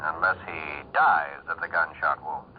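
Curt, skeptical husband, tinny sound. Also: male voice, very deep voice, fairly even intonation, measured pace. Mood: tense. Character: curt, skeptical husband and writer, dryly dismissive. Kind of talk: radio drama acting. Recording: tinny, noisy old radio broadcast.

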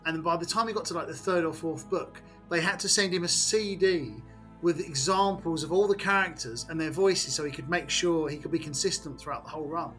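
An English man chats casually as a podcast co-host. His voice sits a little high for a man and is bright and forward, over quiet background music. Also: brisk. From England. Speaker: podcast co-host and game master. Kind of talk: casual chat.

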